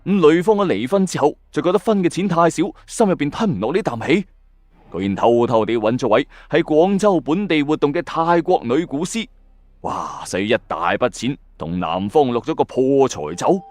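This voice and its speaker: A man's voice: on the high side, big pitch swings, normal speed, darkish tone, dry recording, clean studio sound. A man with a Hong Kong Cantonese accent hosting and narrating a dramatic, suspenseful late-night ghost story in a colloquial way, with exclamatory asides. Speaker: host of a ghost story audio channel. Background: background music.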